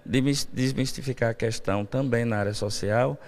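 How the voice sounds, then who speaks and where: A man's voice: medium pitch, normal speed, a little mellow. A man in his forties, a university professor, explaining an event in a live TV interview, with many fillers. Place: outdoors on a university campus. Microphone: handheld reporter mic.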